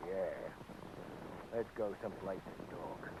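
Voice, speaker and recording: A man playing a tough, guarded street hood in a 1940s radio drama, talking gruff and curt. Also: sits low, slow pace. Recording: noisy tinny old radio broadcast.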